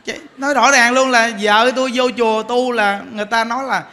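A man's voice: very high-pitched, steady tone, a little fast, sharp tone, a little hiss or hum. A man with a Southern Vietnamese accent, a Buddhist monk preaching a folksy sermon to lay followers and often asking them rhetorical questions. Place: temple hall.

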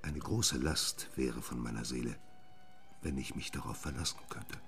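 An actor playing a proud, troubled gentleman scientist in a German radio drama, theatrical and halting, moving between murmurs and outbursts. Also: extremely low pitch, soft background music. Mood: grave, pleading.

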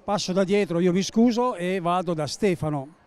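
Brisk male interviewer, fairly high voice. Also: darkish tone, clean tone. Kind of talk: interview at a book fair stand. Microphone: handheld mic.

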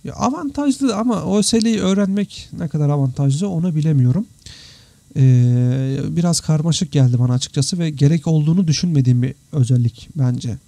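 A man hosts a casual live Q&A in a very mellow, dark voice that sits a little high for a man. He sounds tired and slightly worn, and talks to viewers as friends in a dry, close recording. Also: expressive, brisk, creaky, no room sound. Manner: chatty, informal, addresses viewers as friends. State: tired, slightly worn voice after three hours of talking. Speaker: live stream host, 3D visualization teacher. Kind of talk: casual live Q&A, reading out and answering viewer comments. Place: indoors, computer live stream with screen share.

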